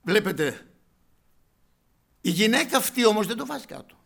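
Impassioned gravelly Greek-speaking preacher man. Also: high voice, lively intonation. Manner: swings from loud exclamations to hushed whispers; addresses listeners as brothers and sisters. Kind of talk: evangelical sermon.

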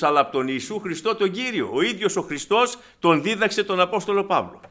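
A man preaching a sermon in a bright, forceful voice that sits a little high. He is animated, keeps calling the congregation brothers and sisters, and acts out the people in his stories.

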